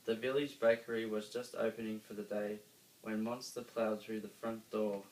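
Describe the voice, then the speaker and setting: A man with an Australian accent reads a children's story aloud, dramatically, with emphatic pauses. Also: on the low side, little pitch movement, darkish tone. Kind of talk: expressive children's story reading. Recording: roomy, distant mic, faint noise.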